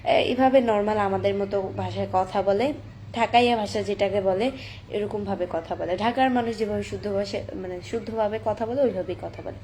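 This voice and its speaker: A woman's voice: medium pitch, a little fast, mellow, slight background noise. A teenage girl with a Chandpur Bengali accent chatting on a live stream, reading viewer comments aloud and answering them on her phone. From Bangladesh. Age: teens.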